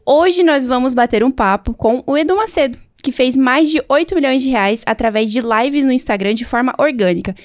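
A woman's voice: fairly high pitch, no room sound, clean studio sound. Upbeat Brazilian woman co-hosting a podcast. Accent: Brazilian Portuguese. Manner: upbeat, brief interjections. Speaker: podcast co-host.

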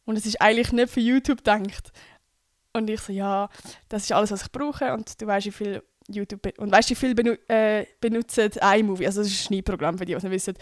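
A young woman with a Swiss accent talks casually on her own podcast, chatty and loose, dropping fillers and English slang. Her voice sits at a medium pitch for a woman. The sound is dry and close, with no room in it. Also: steady tone, fast, no echo. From Switzerland. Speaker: podcast host.

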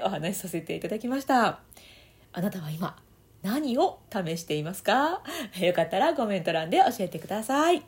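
Lively Kansai woman podcaster, laughing often. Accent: Kansai Japanese. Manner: laughs often between phrases; animated, swoops up and down in pitch. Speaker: audio podcaster and voice coach. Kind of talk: casual solo podcast talk.

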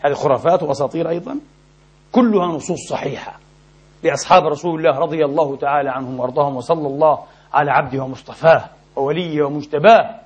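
A man preaching a sermon in a mosque, impassioned and emphatic, with sharp rises in his delivery. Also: on the high side, fast, breathy edge. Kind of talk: Friday sermon. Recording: dull lo-fi recording.

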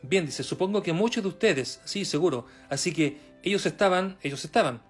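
Chilean male preacher, slightly high voice, hesitant and repetitive, soft music under him. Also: animated, husky. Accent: Chilean Spanish. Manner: halting, many fillers and repeated words, rising for emphasis. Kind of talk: sermon reading and retelling a testimony.

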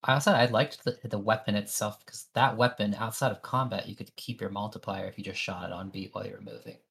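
A man co-hosting a podcast, chatting casually about game demos, joking at his own expense in quick bursts. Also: on the low side, steady tone, creaky, fairly bright tone, slightly rough. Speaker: podcast co-host.

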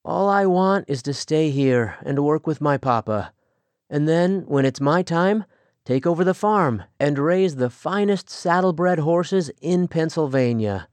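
A man playing a calm young Amish farmer. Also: a little high, a little slow, dry recording, voice pushed up. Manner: gentle, even-tempered.

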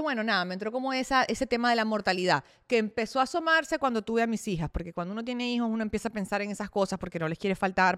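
A woman in her thirties hosts her own podcast, chatting candidly about her life and sometimes acting out her own thoughts in a casual personal monologue. Her voice is mid-range, and the studio-quality recording has no room sound.

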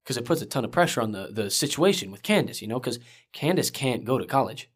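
A man's voice: mid-range voice, animated, fast, breathy edge. An actor playing an earnest, frustrated teenage boy in a podcast drama, talking casually and with exasperation.

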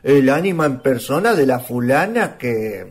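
A plain-spoken Chilean countryman in a radio play, acted by a woman. The voice is husky and unhurried, swinging freely up and down as he voices his skepticism. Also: extremely low pitch, very animated, darkish tone, exaggerated voice. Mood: dismissive, amused.

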